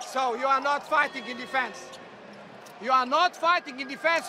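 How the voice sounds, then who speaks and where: A raised, projected male voice, extremely high in pitch with ordinary pitch variation, at a fairly quick pace, in a dry sound with no echo over noticeable background noise. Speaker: handball coach. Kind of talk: team talk, then interview. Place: stadium.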